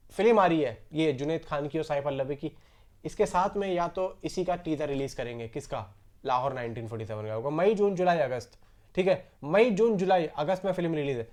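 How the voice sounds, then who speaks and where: Male film news host, high-pitched voice, casual conversational delivery, repeats points and talks straight to viewers. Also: darkish tone. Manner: conversational, repeats himself, addresses viewers directly.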